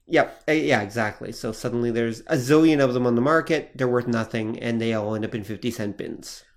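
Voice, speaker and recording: A man's voice: mid-range voice, a little fast. A man co-hosting a podcast in casual chat, asking questions and correcting his partner. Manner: attentive, steering the talk with questions and corrections. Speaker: podcast co-host.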